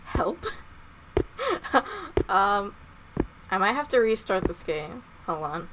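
Brief: young woman streamer, nervous and giggly, headset mic, some background noise, middle pitch. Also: expressive, takes it slowly. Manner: nervous, giggly, full of questions. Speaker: gaming streamer. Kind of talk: horror game let's play commentary.

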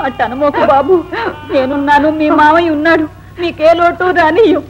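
A woman's voice: high-pitched, moderate pace, muffled recording, natural voice. Woman playing a tearful, consoling aunt. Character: tender village aunt consoling orphaned children. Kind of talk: 1970s Telugu film acting. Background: film score.

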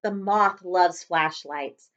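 A woman, reading a storybook aloud to children with expressive, dramatic delivery. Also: lowish voice, takes it slowly. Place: living room, on a couch. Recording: slightly dull webcam audio.

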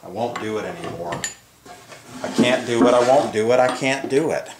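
A man in his fifties talks casually through a shop task, folksy and a bit rambling. His mid-pitched voice rings in a roomy workshop. Clear tool clicks and rasping noise sit around it. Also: lively intonation, normal speed. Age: 50s. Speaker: woodworking instructor, host. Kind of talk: casual hands-on demonstration talk. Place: indoor woodworking shop.

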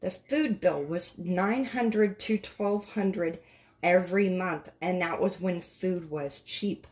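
A middle-aged woman hosts a relaxed chat in her home kitchen and speaks slowly and unhurriedly. Her voice sits a little low, and she often breaks into laughter as she reflects. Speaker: host. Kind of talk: casual interview chat.

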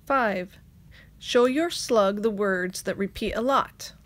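A woman teacher reading a children's picture book aloud, slowly and clearly, with sing-song rhymes. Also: medium pitch.

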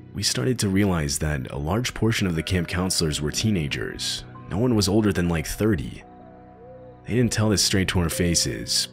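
A man narrating first-person horror stories in a slow, grave storytelling manner. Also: deep voice, gravelly. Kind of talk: scripted narration.

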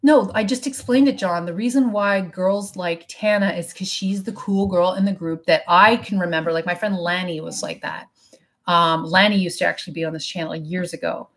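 A woman's voice: fairly low pitch, fairly even intonation, moderate pace, a bit bright. A woman in her thirties chatting frankly and casually with her live viewers, swearing now and then, recorded on a webcam mic in her apartment living room. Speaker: vlogger answering live chat. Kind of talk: casual live-stream chat. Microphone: webcam mic at desk.

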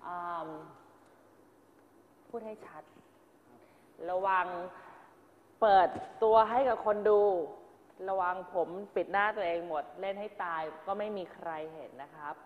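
A woman's voice: mid-range voice, a little slow, long pauses. Woman, acting teacher, direct corrective notes, echoey hall, muffled lo-fi sound. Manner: direct, corrective feedback to students. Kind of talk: drama class coaching.

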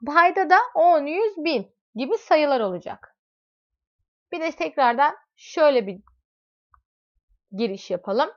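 A woman's voice: high-pitched, animated, a little slow, long pauses. A woman teaching a math lesson, explaining with everyday examples and asking her students questions as she goes. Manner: talks directly to students in second person. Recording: dull lo-fi recording.

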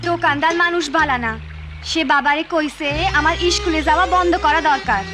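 A troubled teenage cartoon girl, played by a woman, who speaks in a pleading way. Her voice is high, and music plays under her lines. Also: brisk, close to an everyday voice. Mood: anxious. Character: anxious teenage village girl. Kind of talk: cartoon voice acting.

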